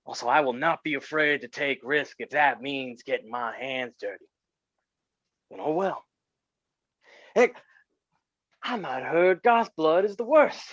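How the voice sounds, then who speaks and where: A man playing a swaggering hardcore wrestler in a staged promo reading, halting and deliberate, on dull lo-fi audio. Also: fairly high pitch, expressive, fairly bright tone, dry recording. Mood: boastful menace. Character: swaggering hardcore wrestler bragging about weapons. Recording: dull, lo-fi, dry close audio.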